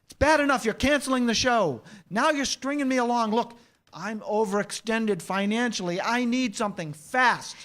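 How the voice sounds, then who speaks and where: A self-pitying TV star, played by a man at a staged reading. His voice rides high and whines. He is insistent and put-upon, in broad comedy fashion. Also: moderate pace, fairly bright tone. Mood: desperate, whining. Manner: whining, insistent. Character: whiny, self-pitying out-of-work male TV actor.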